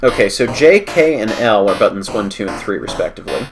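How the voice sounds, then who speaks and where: A man's voice: lowish voice, sing-song, fairly quick, over music. A man hosting a game livestream, stuffy from a cold, with wry, self-correcting commentary as he thinks aloud. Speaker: livestream host playing a game. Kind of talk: let's-play commentary.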